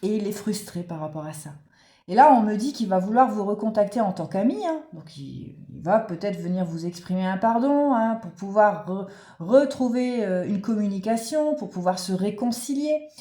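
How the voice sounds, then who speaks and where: A woman's voice: mid-range voice, expressive, moderate pace, warm tone, roomy sound. A woman with a cold and sore throat giving a casual oracle card reading, speaking straight to her viewers with many fillers. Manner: chatty, many fillers, addresses viewers directly. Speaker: spiritual card reader.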